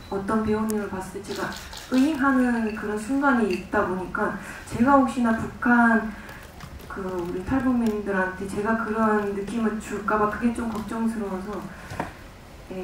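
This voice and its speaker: A woman's voice: medium pitch, background noise. A woman actress with a Gwangju accent answering questions hesitantly at a press conference. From Gwangju, South Korea. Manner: hesitant, with fillers. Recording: echoey hall from far off.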